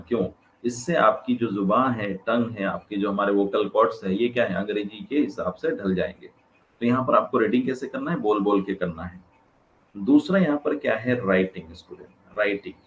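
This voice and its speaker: A man's voice: mid-range voice, lo-fi sound. A male teacher giving a classroom lecture, switching between Hindi and English, repeating phrases and putting questions to his students. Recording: echoey room, faint background noise.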